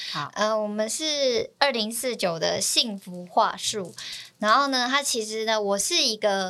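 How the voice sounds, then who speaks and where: A woman speaks with a Taiwanese accent and lively intonation. Her fairly high voice has a bright, sharp tone. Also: fairly slow pace. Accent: Taiwanese Mandarin. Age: 20s. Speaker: actress. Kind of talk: casual chat.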